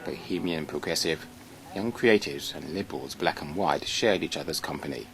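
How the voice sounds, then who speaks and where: Very deep male narrator. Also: normal speed, vocal fry, crowd noise, low-quality recording. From Britain. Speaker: documentary narrator. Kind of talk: scripted first-person narration. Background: music.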